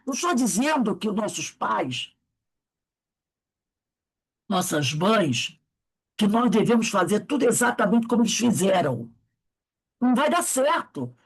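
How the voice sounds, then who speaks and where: A woman's voice: a little high, sing-song, unhurried, breathy edge. A woman, teaching a spiritist study class in a chatty way, full of tag questions and acted-out dialogue. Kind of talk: conversational class lecture.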